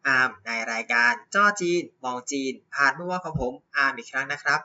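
A man's voice: mid-range voice, lively intonation, a little fast, bright, forceful tone, muffled recording, slight background noise. A man from Thailand hosting a casual solo talk show, chatty and full of rhetorical asides. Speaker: podcast host.

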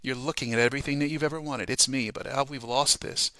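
A man's voice: mid-range voice, steady tone, quick pace, sharp tone, dry recording. A man hosting a Christian podcast, giving an informal, personal devotional talk in an earnest, emphatic way, often adding a checking "okay?" or "all right?". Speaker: Christian ministry podcast host.

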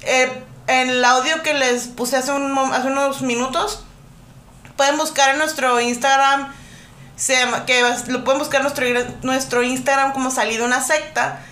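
A woman co-hosting a podcast, explaining things in a measured way with fillers. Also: high-pitched, little pitch movement, fairly bright tone, roomy sound. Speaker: podcast co-host. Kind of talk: casual podcast chat.

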